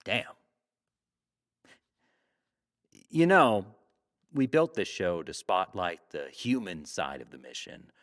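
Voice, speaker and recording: An actor playing a glib, teasing talk show host in a sci-fi audio drama, wry, theatrical and probing. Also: male voice, low voice, big pitch swings, measured pace, a bit bright, heavily acted. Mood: earnest.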